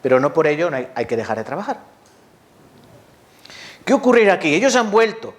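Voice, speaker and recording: A man delivering a sermon in a fairly high voice. He speaks straight to his congregation, firing off rhetorical questions and answering them himself. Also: a little fast. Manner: rhetorical questions, lively rises and drops; addresses congregation directly. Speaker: pastor.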